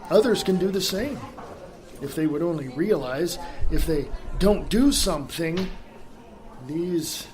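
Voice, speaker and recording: An actor playing a reflective, contented middle-aged family man in a radio theatre monologue, measured and pensive with dramatic pauses. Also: fairly high pitch, animated, darkish tone. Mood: contented, earnest.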